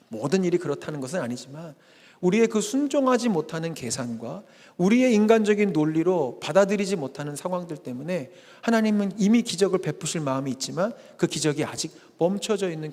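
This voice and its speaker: A man preaching a lively sermon as pastor, acting out the people in the story with quoted asides. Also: on the high side. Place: church sanctuary. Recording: long hall reverb.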